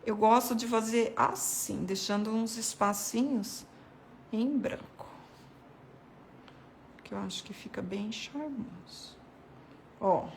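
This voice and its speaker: Speaking slowly with long pauses, a woman with a fairly high voice and vocal fry talks viewers through a watercolor painting one step at a time. This art devotional host is chatty and casual, addresses her audience as "gente" and points out details as she paints, with slight background noise present.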